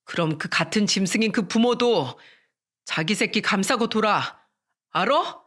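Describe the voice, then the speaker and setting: A reader voicing a furious husband who shouts accusations at his wife in a storybook radio drama. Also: sits high, expressive, moderate pace.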